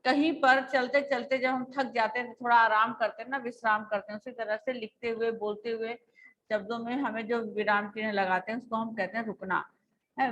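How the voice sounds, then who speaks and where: A woman school teacher giving an online class lecture, explaining patiently and slowly with examples over a video call. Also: on the high side, fairly bright tone.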